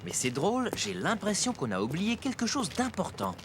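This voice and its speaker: Animated, patient cartoon dad. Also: male voice, sits high, normal speed, noisy background. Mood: cheerful. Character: patient, cheerful young father of a small boy. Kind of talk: French-language children's cartoon dialogue.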